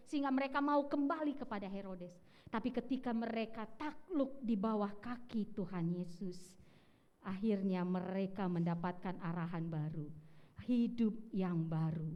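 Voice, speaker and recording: A woman's voice: mid-range voice, muffled recording. A woman pastor giving an earnest storytelling Christmas Eve sermon in a church. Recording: echoey church hall.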